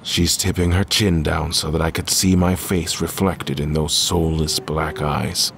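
A man's voice: very deep voice, flat delivery, unhurried, vocal fry, background noise, heavily acted. A man playing a courteous, guarded admiral in an audio drama, speaking politely and formally. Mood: tense narration. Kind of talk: audio drama acting and first-person narration.

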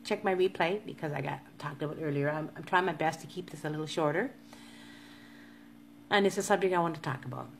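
Low-voiced woman in her fifties. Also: fairly quick, slight background noise. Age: 50s. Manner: earnest, repetitive motivational urging. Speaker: live-stream vlogger. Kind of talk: casual live-stream monologue to viewers.

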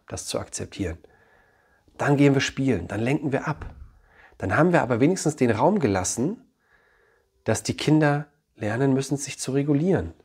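Husky guy, psychologist in his 30s, talks straight and direct, keeps checking in w/ "ja?". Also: mid-range voice. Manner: direct and explanatory, often checks in with "ja?"; gentle, coaxing tone with his son. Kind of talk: advice talk to camera, then chat with his child.

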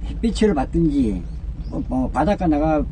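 Older male camper owner, very dark voice, terse replies, faint noise inside a camper. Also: fairly high pitch, big pitch swings, moderate pace, rough recording. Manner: short, plain answers. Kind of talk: casual conversation. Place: inside his wooden camper.

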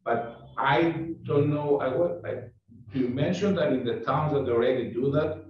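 A man's voice: medium pitch, unhurried, distant mic, a little hiss or hum. A man from Greece with Greek as his first language, speaking in a casual town board meeting discussion, searching for words and restarting phrases. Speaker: board member. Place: town meeting room, large table. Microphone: far room microphone. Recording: echoey meeting room from afar, dull.

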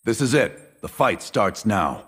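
An actor playing a stern middle-aged military handler in a video game, giving briefings and orders with a gravelly voice. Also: male voice, fairly low pitch, sing-song, unhurried, heavily acted. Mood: grave, urgent. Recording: loud background music.

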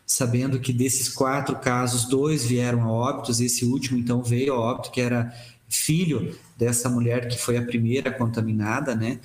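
A man in his thirties, a health secretary, giving a measured official statement on a video call from a small office. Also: mid-range voice, flat delivery, darkish tone, echoey room, slight background noise. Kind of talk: news interview statement. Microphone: webcam on video call.

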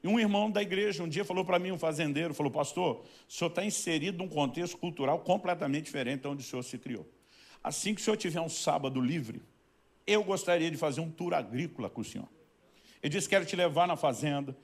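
A middle-aged man from Brazil, a pastor telling a story in a sermon, animated and rising loudly at the high points. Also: fast talker, gravelly.

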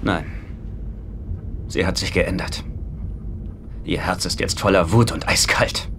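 A man's voice: deep voice, slow pace. An actor in a German-dubbed sitcom playing a lovesick, naive rich man with a plaintive, boyish way of pleading. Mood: heartbroken. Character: lovesick, childlike wealthy man, whiny and naive. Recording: noisy TV soundtrack rip.

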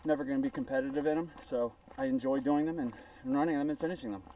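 A man's voice: mid-range voice, very fast, dry recording, muffled recording. A man in his forties talks casually and encouragingly to a camera at arm's length while running outdoors, sounding exerted. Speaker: running vlogger. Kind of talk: casual motivational chat to camera. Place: outdoors on roadside paths, in wind. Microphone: action camera held at arm's length. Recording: windy outdoor action camera, distant, noisy.

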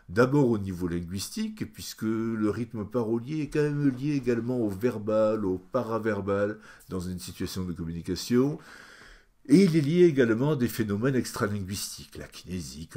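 An older male lecturer explains step by step over slides, pausing and hesitating now and then. His voice sits a little low. His pitch swings widely as he stresses key terms. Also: warm tone, slightly rough. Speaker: phonetics lecturer.

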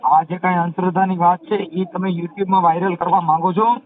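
A man's voice: high voice, level tone, brisk, a crowd in the background. A man with a Saurashtra Gujarati accent, questioning a caller in a blunt, insistent way during a phone conversation. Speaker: call taker who records and publishes calls. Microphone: telephone. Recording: tinny narrowband phone call recording.

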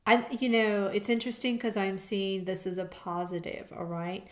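A woman of middling pitch reads tarot cards for her viewers. She talks casually and keeps checking in with little "okay?" asides. Her voice rings a bit in an echoey room. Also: flat delivery, moderate pace. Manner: conversational, frequent "okay?" check-ins. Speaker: tarot reader. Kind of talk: tarot reading to camera.

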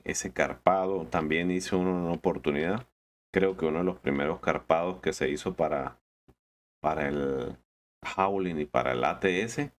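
A man, chatting casually while playing a truck game, often stumbling and repeating words. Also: deep voice. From Colombia. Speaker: gaming video host.

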